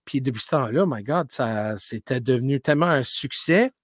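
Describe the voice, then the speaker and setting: A man who grew up speaking English, talking in as a paranormal streamer in a casual interview, telling animated stories full of restarts and English words. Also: mid-range voice, normal speed, dry recording, clean studio sound. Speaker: paranormal live streamer, guest.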